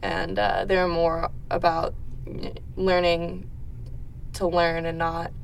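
A woman's voice: on the low side, flat delivery, slow pace, gravelly, rough recording. A young American woman giving casual answers in an interview. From Netherlands, born in the US. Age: young adult. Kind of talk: casual interview answers about growing up abroad. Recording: faint background noise, room ambience.

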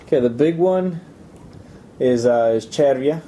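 A young man answering interview questions in a casual, halting way, with many fillers and restarts. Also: medium pitch, warm tone, slight background noise.

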